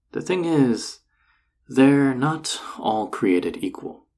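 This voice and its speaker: In an intimate roleplay audio drama, a man plays a flirty, encouraging enchanter boss, teasing and reassuring. His voice is husky, gravelly and on the low side.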